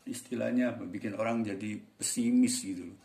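A man teaching English in a chatty, encouraging way, sometimes reading English lines slowly and deliberately. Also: on the low side, fairly even intonation, gravelly, mellow, echoey room. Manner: chatty, encouraging, colloquial Jakarta slang. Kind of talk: casual spoken English lesson.

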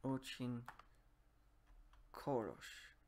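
A man whose first language is English practises speaking, slowly and haltingly, repeating words at his computer. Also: medium pitch, fairly even intonation, darkish tone, slight background noise. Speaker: language learner.

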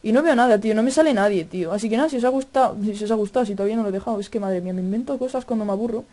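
Excitable swearing gamer with a Spain Spanish accent. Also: male voice, high voice, very fast. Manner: excitable, swears often, yells at jump scares. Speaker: gaming YouTuber. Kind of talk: horror game let's-play commentary. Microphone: desk microphone at a computer.

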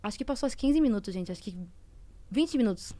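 A woman in her thirties with a Brazilian Portuguese accent, a podcast guest telling a personal story in a conversational way, often dropping to soft, hushed tones. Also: fairly high pitch, lively intonation, fast.

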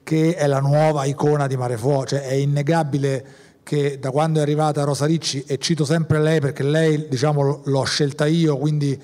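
A man's voice: on the high side, flat delivery, normal speed, darkish tone. A man, a director, talking on a festival panel in a rambling way, restarting his sentences often. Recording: reverberant hall.

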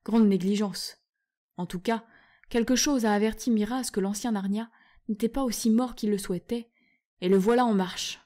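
An old, kindly male scholar, breathless from hurrying, as a woman reads him. He speaks earnestly and urgently, in a mellow, dark-toned voice. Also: mid-range voice, close to an everyday voice. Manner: earnest, hurried.

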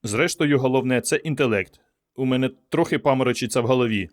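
A man voicing an elderly genius professor whose mind now lives in a dog's body, speaking hoarsely and carefully. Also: medium pitch, fast, natural voice. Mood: wry.

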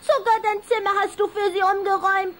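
A woman's voice: extremely high pitch, flat delivery, fairly quick, fairly bright tone. An actress playing a hurt, jealous little vampire girl in a children's radio play, reproachful and snippy.

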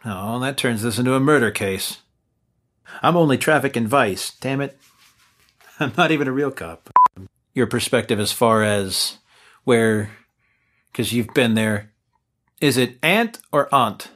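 A man's voice: mid-range voice, unhurried, long pauses, a bit bright. A man playing a tabletop game, riffing jokes with old-fashioned slang words. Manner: playful, riffs in old-timey slang. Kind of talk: riffing banter at a recording session.

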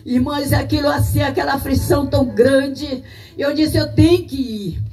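A woman's voice: sits high, moderate pace, darkish tone. A middle-aged woman with a Brazilian Portuguese accent giving a tearful church testimony in a sing-song preaching cadence. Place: church service. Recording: distant mic with faint music.

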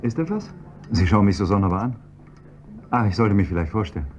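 A man's voice: fairly low pitch, lively intonation, fairly quick, lightly acted. An actor playing a polite, ingratiating and evasive male chauffeur in a radio drama. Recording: dull lo-fi recording, faint hiss.

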